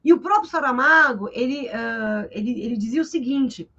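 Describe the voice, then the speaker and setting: A woman teacher with a Brazilian Portuguese accent, explaining literature in a live interview over a video call, in a lively, explanatory way that keeps checking in with her listener. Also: fairly high pitch, normal speed, highs cut off. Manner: lively and explanatory, tags sentences with "né?".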